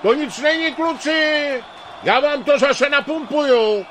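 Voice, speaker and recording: A man's voice: on the high side, expressive, bright, forceful tone, some chatter behind, slight background noise. A man voicing a boisterous old father who runs a football team, bellowing and gloating.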